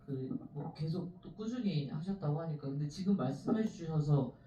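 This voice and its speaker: A woman's voice: low-pitched, lively intonation, moderate pace, mellow, a little hiss or hum. A woman moderating a film Q&A, asking the actors questions and reacting with short interjections, recorded from a cinema audience. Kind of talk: panel Q&A moderation. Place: cinema auditorium. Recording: distant echoey, dull audience recording.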